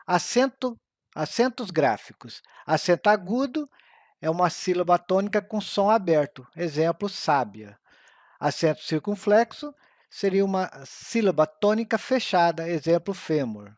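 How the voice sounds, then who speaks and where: A man reads an exam-prep grammar lesson, slowing down carefully over the examples. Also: high-pitched, expressive, dry recording, studio quality. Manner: slow, careful reading of examples.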